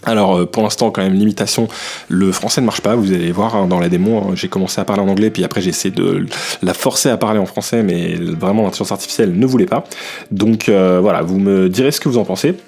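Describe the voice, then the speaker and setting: A man from France hosts a casual tech news podcast. His voice sits a little low, and he rambles in an easygoing way, dropping in little tags as he goes. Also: quick pace, vocal fry. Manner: relaxed, loose, peppered with "hein". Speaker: podcast host.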